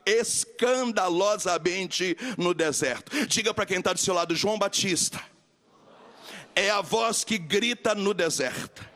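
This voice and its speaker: A man with a Brazilian Portuguese accent preaching a sermon, emphatic and repetitive, building to shouted refrains. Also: high voice, a little slow. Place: large church camp gathering.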